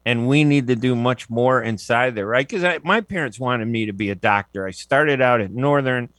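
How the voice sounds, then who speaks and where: Older male radio host, rambling and conversational, mid-pitched, dry close sound. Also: moderate pace, fairly bright tone, dry recording. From United States. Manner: chatty, digressive, many restarts. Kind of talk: radio interview.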